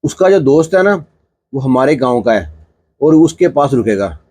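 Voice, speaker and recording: A man's voice: medium pitch, very animated, a little mellow, breathy edge. A man voicing a gossipy teenage village girl sharing news with her friend in a told story. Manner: confiding, gossipy.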